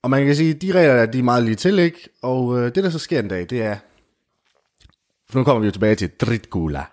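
A man telling an improvised comic story in casual chat, animated and full of fillers. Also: medium pitch. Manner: animated, jumps into character voices, many fillers like "du ved".

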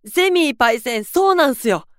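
A man's voice: very high-pitched, animated, brisk, fairly bright tone, no room sound, clean studio sound. A man playing a cheerful, carefree junior idol with breezy, boyish, slangy delivery in an anime-style audio drama. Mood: upbeat.

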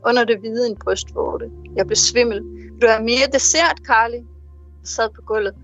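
Higher-voiced woman author, hesitant speech. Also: a bit bright, muffled recording, soft background music. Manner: hesitant with many fillers when speaking freely. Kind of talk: interview answers and reading aloud from her novel.

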